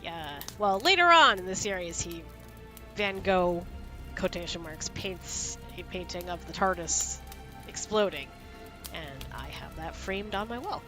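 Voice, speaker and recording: Chatty sick woman streamer, bright voice. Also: lowish voice, lively intonation, a little slow, faint music behind. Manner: chatty, rambling, laughs easily. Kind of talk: casual chat with live viewers.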